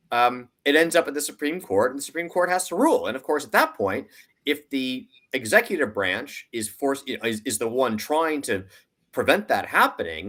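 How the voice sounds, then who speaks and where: A man with a mid-range, slightly bright voice gives conversational, analytical commentary as a financial analyst. He explains things emphatically and acts out hypothetical arguments.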